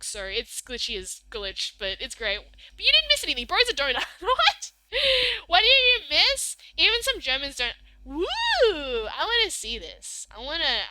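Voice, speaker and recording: Bubbly, bright Australian woman streamer. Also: high voice, dry recording, rough recording. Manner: bubbly, giggly, rambling with many fillers. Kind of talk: casual live-stream chat, reading chat messages.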